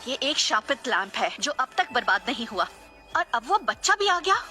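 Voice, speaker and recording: A woman's voice: a little high, sing-song, normal speed, over music. A woman voicing a haughty, scheming goddess who speaks in an arrogant, sneering way.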